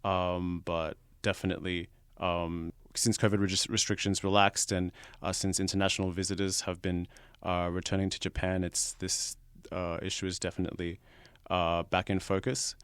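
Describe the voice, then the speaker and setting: Deep-voiced Australian man, news reporter. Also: level tone, normal speed, fairly bright tone, smooth, no room sound, studio quality. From Brisbane, Australia. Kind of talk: podcast discussion and article reading.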